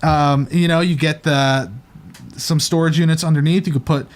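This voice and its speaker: A man with a voice on the high side and fairly even intonation hosts a casual chat show, reviewing setups at a normal speed. He sounds chatty and hesitant, with lots of ums and a slight lisp from a retainer.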